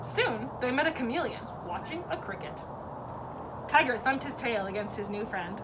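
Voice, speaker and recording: A woman's voice: on the high side, lively intonation, moderate pace. A woman reading a children's storybook aloud as an educator at story time. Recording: distant mic with clear background noise.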